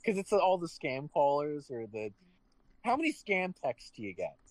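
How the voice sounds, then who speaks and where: A man's voice: fairly high pitch, sing-song, moderate pace, no room sound, low-quality recording. A man co-hosting a casual chat show, rambling and swearing, often restarting his sentences. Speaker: podcast co-host.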